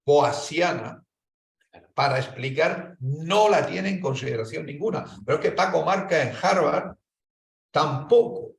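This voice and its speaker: A man with a Spanish accent speaking on an academic panel, talking in long winding stretches with restarts and lively rises in pitch. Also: a little slow, vocal fry. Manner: discursive, hesitant restarts, animated rises. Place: lecture hall. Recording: echoey hall, distant mic.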